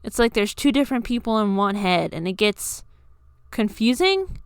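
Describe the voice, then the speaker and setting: A conflicted young man in an audio story, read by a woman. He is hesitant and apologetic, with a clear voice in a very dry recording. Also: mid-range voice, big pitch swings, normal speed, no echo. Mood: uncertain, apologetic.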